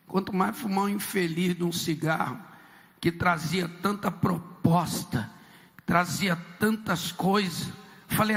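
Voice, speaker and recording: A male pastor with a Brazilian Portuguese accent giving an emphatic, dramatic testimony that now and then rises to a shout. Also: high-pitched, gravelly. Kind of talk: preached personal testimony. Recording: long reverberant hall.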